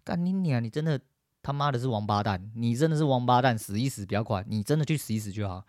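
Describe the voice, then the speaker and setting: A man's voice: mid-range voice, expressive, fast talker, a little mellow, no room sound, clean studio sound. A man with a Taiwanese Mandarin accent hosting a solo podcast, ranting angrily and swearing constantly. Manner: angry, profane ranting. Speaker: podcast host.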